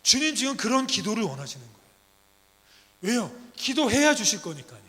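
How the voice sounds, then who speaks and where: A middle-aged man delivering a sermon from the pulpit, his voice high and sharply bright as he presses his point with question after question. The sound carries a long reverb from the church hall around him. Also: very animated, fairly quick. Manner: emphatic, rhetorical questions, pleading. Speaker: pastor. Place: church sanctuary.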